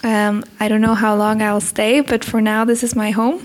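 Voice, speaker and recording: A woman's voice: medium pitch, flat delivery, moderate pace, background noise. A woman from Norway introducing herself hesitantly, with many ums. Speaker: guest. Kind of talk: self-introduction.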